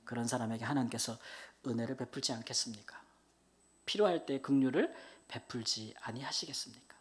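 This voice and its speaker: A middle-aged male pastor preaching in a sermon, telling stories earnestly and moving between soft whispered asides and loud exclamations. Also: mid-range voice, a little fast.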